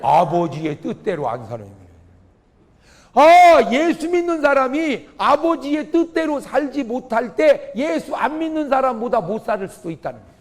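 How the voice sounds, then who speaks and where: A very high-pitched, sing-song male voice at normal speed belongs to a pastor preaching a humorous revival sermon in a church or large auditorium. He fires questions at the congregation, exclaims often, and engages them in call-and-response.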